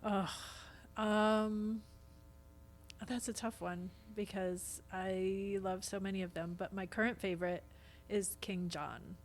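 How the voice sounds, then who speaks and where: A woman speaking as a podcast guest in a casual, conversational style. Her voice sits at an average pitch for a woman, and she explains things informally. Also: steady tone, takes it slowly, slight background noise. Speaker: podcast guest, stage actor.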